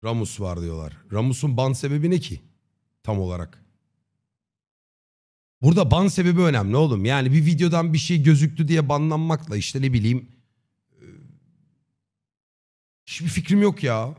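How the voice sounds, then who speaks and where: A man in his thirties chatting casually on a livestream in a slangy, joking, deadpan way. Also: medium pitch, moderate pace, long pauses. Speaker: live streamer. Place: dim indoor streaming room. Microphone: close desk microphone with headset on.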